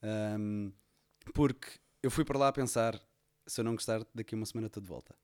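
A man's voice: on the low side, quick pace. Man, European Portuguese accent, podcast guest, casual storytelling, lots of fillers. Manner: relaxed storytelling, many fillers and restarts. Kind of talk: casual conversation.

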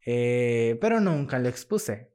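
Young Mexican-accented man, podcast guest, candid and animated storyteller who voices the people in his story. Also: mid-range voice, slow pace. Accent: Mexican Spanish. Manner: lively, acts out quoted dialogue, laughs while telling. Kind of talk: casual storytelling in an interview.

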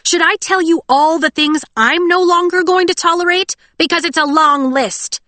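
A woman's voice: fairly low pitch, a little slow, fairly bright tone, dry recording. A woman voicing a defiant, sarcastic teenage cyborg girl with a biting tongue. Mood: sarcastic, furious.

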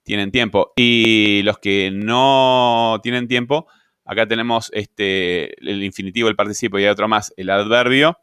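A man's voice: on the low side, fairly even intonation, a little slow, a bit bright, smooth, dry recording, clean studio sound. A man teaching a grammar lesson, patient, often checking with rhetorical questions. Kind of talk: grammar lesson explaining on screen.

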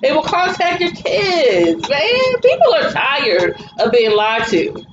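A woman's voice: sits high, wildly swooping pitch, slow, roomy sound, highs cut off, noisy background. A woman co-hosting a podcast in casual chat, ranting emphatically and repeating her points for effect. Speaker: podcast co-host.

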